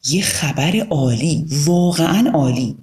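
A woman voicing an excited young schoolboy in an audio storybook, eager in manner. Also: low-pitched.

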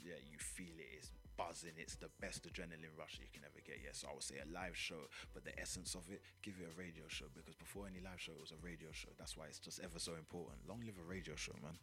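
A man's voice: extremely low pitch, fairly even intonation, rapid-fire, hardly any pauses, pushed and bright, faint music behind. A man with an urban London roadman accent, chatting casually in an interview as a grime MC, full of street slang and emphatic repetition.

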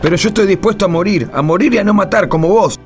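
A man's voice: high voice, quick pace, over music, natural voice. A man playing a brave, defiant priest with an Argentine accent in an impassioned radio drama performance. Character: defiant, brave male priest facing threats.

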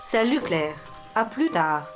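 A woman's voice: lowish voice, sing-song, slow pace, over music. A synthetic female voice playing a nostalgic, earnest talking-clock announcer in a scripted comic dialogue. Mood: matter-of-fact. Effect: text-to-speech voice.

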